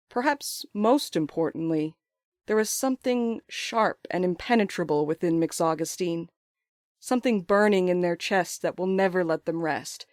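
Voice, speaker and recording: An actor playing a thoughtful, uneasy writer in an audio drama, speaking in an articulate, literary, measured way. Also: mid-range voice, darkish tone, no room sound, clean studio sound, lightly acted. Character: thoughtful, uneasy writer recounting observations in a private letter. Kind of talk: scripted first-person audio drama monologue.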